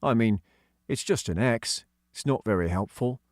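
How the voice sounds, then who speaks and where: A man's voice: mid-range voice, moderate pace, no echo, studio quality, voice pushed up, lightly acted. A man voicing an earnest, determined schoolboy in an audiobook adventure story. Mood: doubtful.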